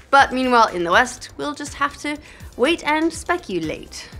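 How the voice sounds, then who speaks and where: A young woman hosting a scripted gaming news show, reading stories briskly with upbeat, jokey asides. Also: fairly high pitch, a bit bright.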